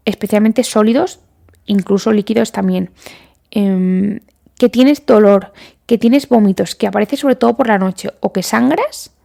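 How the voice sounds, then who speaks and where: A woman's voice: medium pitch, vocal fry, dark tone. A woman doctor, hosting a casual medical podcast and explaining treatments while sometimes acting out her listeners' questions. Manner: conversational, lists items, acts out listener questions.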